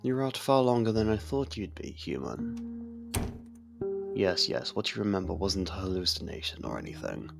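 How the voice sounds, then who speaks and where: A man playing an aloof centuries-old vampire who grudgingly cares for a human, in an intimate ASMR roleplay, gravelly, husky and measured with a slightly haughty, halting delivery. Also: deep voice, expressive, music in the background. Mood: grudging concern.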